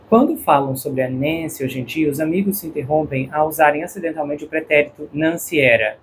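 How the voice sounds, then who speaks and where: A man's voice: fairly high pitch, slight background noise. Brazilian man reading crime news. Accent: Brazilian Portuguese. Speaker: true crime channel host. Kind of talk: read news narration.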